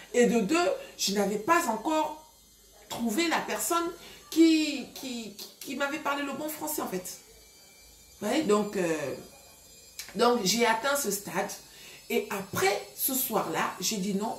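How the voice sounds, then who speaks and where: A woman in her thirties from Gabon, casually telling a story to her viewers with lots of fillers. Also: on the high side. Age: 30s. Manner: chatty, many fillers, addresses viewers directly. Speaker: vlogger giving relationship advice. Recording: echoey room.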